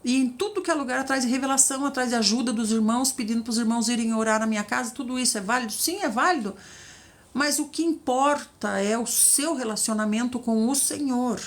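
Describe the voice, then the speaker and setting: Animated woman preacher. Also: a little high, fairly quick. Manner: animated, acts out quoted voices. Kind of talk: devotional teaching.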